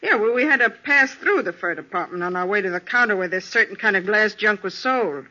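An actress playing a tough, slangy small-time American crook in a 1940s radio crime drama, grudging in manner. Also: female voice, medium pitch, animated, fairly quick, bright, forceful tone. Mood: defensive, grudging. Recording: dull vintage 1940s radio recording.

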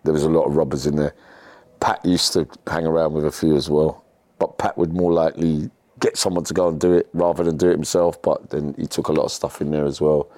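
A man's voice: rumbling low, flat delivery, a little fast, dark tone, no room sound. A middle-aged man, chatting casually as a podcast guest and telling stories in a rambling, slangy way. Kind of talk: casual chat, personal storytelling.

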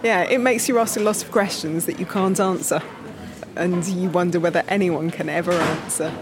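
A middle-aged woman with a somewhat low voice muses aloud, posing rhetorical questions in a calm, thoughtful way. A crowd of museum visitors murmurs behind her. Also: moderate pace. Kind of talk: reflective interview answers. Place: busy museum gallery indoors.

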